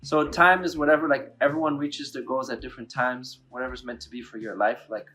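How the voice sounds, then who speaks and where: A man's voice: medium pitch, steady tone, a little fast, bright, forceful tone, faint music behind. A man in his late thirties hosting an interview, enthusiastic and chatty, filling his speech with "like". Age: 30s. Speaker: podcast host. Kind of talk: casual interview talk.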